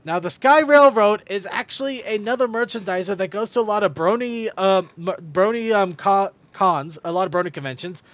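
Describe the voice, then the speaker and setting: A man with a high, slightly bright voice hosts a podcast, chatting casually and rambling fairly quickly with hardly any pauses, tripping over his words. The stream recording is close, dry, slightly dull and lo-fi, with no room sound.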